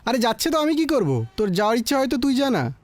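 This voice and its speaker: A woman's voice: a little high, very animated, quick pace, darkish tone, dry recording, soft background music. An actress playing a grumpy, choosy young woman in a film drama. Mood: sulky.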